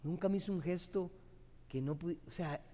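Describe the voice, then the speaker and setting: A man's voice: high voice, a little fast, dark tone. A man with a Costa Rican accent preaching an impassioned, emotional sermon as a pastor. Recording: long hall reverb.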